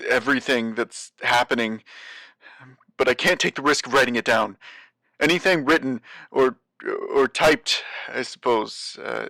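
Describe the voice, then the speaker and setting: An actor playing an anxious, weary man taping a warning in an audio drama, halting and self-doubting as he rambles. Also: mid-range voice, pushed and bright, no echo, poor audio. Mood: hesitant, uneasy. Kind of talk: audio drama monologue as a taped message.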